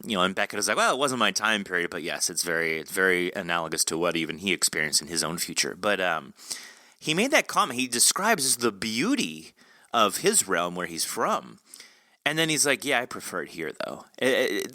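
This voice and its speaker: A man with a lowish, very bright and sharp voice chats casually about a story. His delivery is lively in pitch, musing and questioning, in a dry close recording. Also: moderate pace, no echo. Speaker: podcast guest and show creator.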